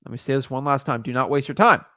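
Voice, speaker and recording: A sharp-toned, medium-pitched young man talks fast in a dry, studio-quality recording, coaching on real estate wholesaling. The casual talking-head advice is repetitive and rambling, with frequent fillers and restarts.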